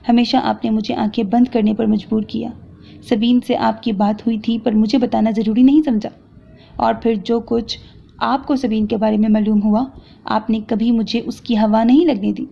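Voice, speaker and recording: A hurt young wife, voiced by the woman narrator pleads and reproaches in a romance audio novel. Her voice is a little high, with a strong gravelly edge. The recording is dull and lo-fi.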